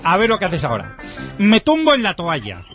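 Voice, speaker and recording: A man's voice: high-pitched, huge pitch swings, fairly quick, fairly bright tone. A man hosting a radio game, reading a story aloud in a playful, theatrical way. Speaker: radio host. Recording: dull radio audio with music behind.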